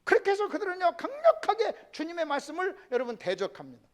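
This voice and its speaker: With an extremely high voice full of huge pitch swings, a male pastor delivers a sermon at a quick pace. He calls out to the congregation again and again, speaks emphatically, and at times lowers to a hushed whisper.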